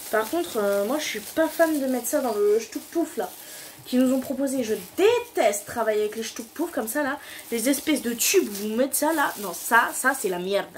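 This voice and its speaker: There's slight background noise as a young beauty vlogger, her southern French accent clear, talks casually at home during a DIY hair treatment. She has a high, expressive voice at normal speed, and she giggles and swears loosely throughout.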